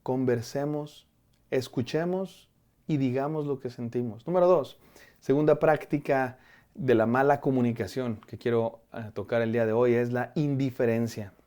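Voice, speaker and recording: A middle-aged pastor delivers a devotional message straight to camera in an earnest, conversational way. His voice is dark and mellow and sits at a middle pitch. He often restarts phrases and repeats key words as he preaches. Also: moderate pace. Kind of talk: devotional sermon. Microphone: camera framing, speaking to camera.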